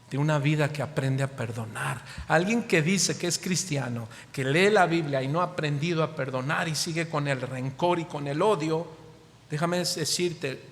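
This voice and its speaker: A Mexican Spanish-accented pastor delivers a sermon, his slightly high, somewhat bright voice rising emphatically on rhetorical questions aimed at the congregation. The church hall adds a long reverb.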